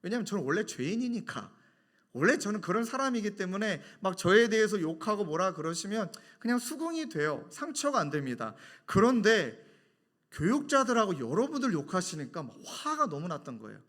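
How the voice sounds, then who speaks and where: A middle-aged man preaching a sermon as senior pastor, animated, swinging from loud emphasis to soft, confiding asides. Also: sits high, a little fast.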